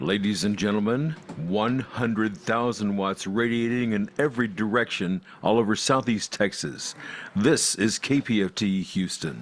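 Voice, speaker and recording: A booming put-on character voice goes at a moderate pace over clear background noise. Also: man, fairly low pitch for a man. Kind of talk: broadcast announcer. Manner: big, booming announcer delivery.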